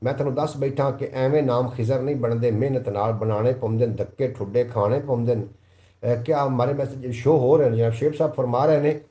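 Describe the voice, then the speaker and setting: Hosting a casual live stream, a man with a Punjabi accent reads out viewer comments, thanks people one by one and occasionally recites couplets. His medium-pitched voice is warm and steady at a normal speed, in a reverberant space.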